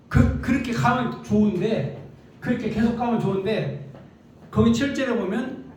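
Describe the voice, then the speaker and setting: A man's voice: sits high, warm tone, highs cut off, a little hiss or hum. A man preaching a sermon as pastor, emphatic and full of rhetorical questions. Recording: echoey room picked up from a distance.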